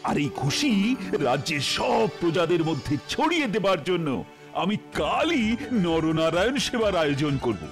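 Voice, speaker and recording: Jolly, slow-talking cartoon king. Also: sits high, big pitch swings, soft background music, exaggerated voice. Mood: commanding. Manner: hearty and expansive, laughs often. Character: jolly, indulgent middle-aged cartoon king. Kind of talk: cartoon voice acting.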